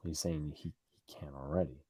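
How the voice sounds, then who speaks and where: Extremely low-pitched, warm and slightly rough, his voice holds a fairly even intonation at a moderate pace in a dry recording. The man, who has a New York accent, co-hosts a live fan stream, calling plays and chatting with viewers in a rambling, self-correcting style.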